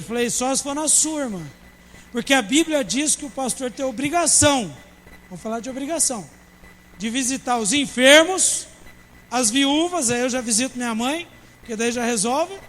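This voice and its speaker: High-voiced pastor preaching. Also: male voice, fairly bright tone, long reverb tail, slight background noise, low-quality recording. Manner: humorous, acts out church members in dialogue. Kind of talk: sermon. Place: church service.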